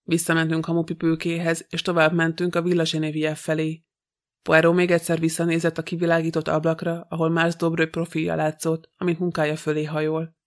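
A man reading a novel aloud as a narrator, in a very flat, even delivery. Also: fairly high pitch. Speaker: audiobook narrator. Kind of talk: scripted narration.

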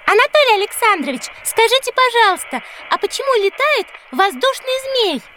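A curious little girl who keeps asking questions. Her voice is very high and swings lively up and down. A steady noise sits behind her in this children's audio story. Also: normal speed, full character voice. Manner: inquisitive, asks question after question. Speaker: child character in an audio encyclopedia. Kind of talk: scripted children's audio drama.

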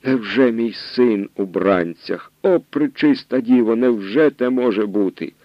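A man's voice: mid-range voice, unhurried, dry recording, dull audio, natural voice. A man voicing a wrathful, imperious old male hetman who barks his commands, in an audiobook reading. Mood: dismayed. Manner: barking, wrathful.

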